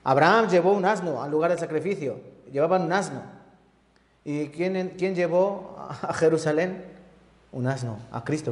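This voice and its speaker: A man preaching a sermon as an evangelist, asking his listeners questions at every turn. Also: fairly high pitch. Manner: lively, asks the congregation many rhetorical questions. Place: church hall. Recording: echoey reverberant church hall.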